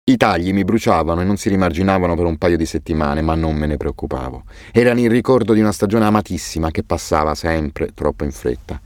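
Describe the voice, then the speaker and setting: A man narrating a novel in the first person, measured and steady. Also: low-pitched, no echo, studio quality. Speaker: audiobook narrator.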